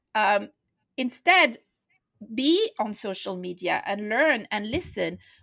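On a very clean recording with a silent background, a woman with a fairly high pitch and a bright, sharp tone with vocal fry speaks at a very slow pace, with lively intonation and long, frequent pauses. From France. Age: 50s. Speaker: missionary. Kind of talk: interview.

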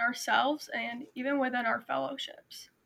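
Speaking at a moderate pace, a woman uses a raised, projected voice with a bright, sharp tone, high pitch and ordinary pitch variation. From Southern Indiana. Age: 20s. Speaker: co-host, ministry student. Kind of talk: podcast interview.

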